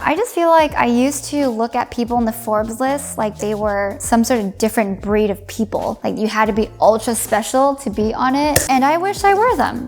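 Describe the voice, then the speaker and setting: A woman in her twenties talking casually to camera at home, candid and chatty, laughing often. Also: sits high. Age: 20s. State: losing her voice. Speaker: content creator. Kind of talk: casual vlog talk.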